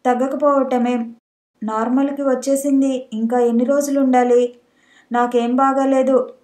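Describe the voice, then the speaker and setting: A woman's voice: high voice, little pitch movement, a little slow, warm tone. Proud young heroine, as a woman narrator reads her. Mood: insistent. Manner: indignant, insistent. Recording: echoey room.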